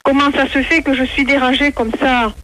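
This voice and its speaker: A woman's voice: high voice, little pitch movement, brisk, a bit bright, rough recording. An indignant, insistent woman making exasperated complaints over the telephone. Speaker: prank call victim on the phone.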